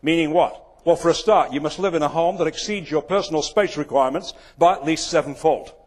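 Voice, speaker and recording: A man's voice: fairly high pitch, brisk. A man from England with a Manchester accent giving a comic keynote speech to a live audience, with dry, self-deprecating delivery. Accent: Manchester English. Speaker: keynote speaker. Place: event venue before a live audience.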